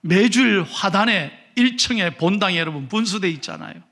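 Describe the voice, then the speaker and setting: A man with a Gyeongsang accent preaching a sermon, telling stories animatedly and swinging from shouts to whispers. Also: high-pitched, lively intonation, moderate pace. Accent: Gyeongsang Korean. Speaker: pastor.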